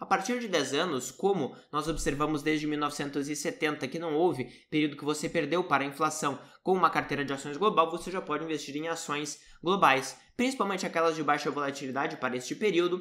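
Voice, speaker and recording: Speaking at a fairly quick pace, a man has a bright, sharp tone, a fairly high pitch and ordinary pitch variation. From Brazil. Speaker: investment analyst and YouTuber; investment analyst, YouTuber. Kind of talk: educational explainer video. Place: home room.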